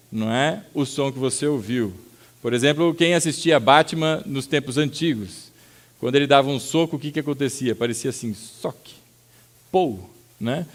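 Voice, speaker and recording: Lively Brazilian pastor preaching. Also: male voice, mid-range voice. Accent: Brazilian Portuguese. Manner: lively storytelling with sudden loud acted-out outbursts; addresses the congregation as brother. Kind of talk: sermon.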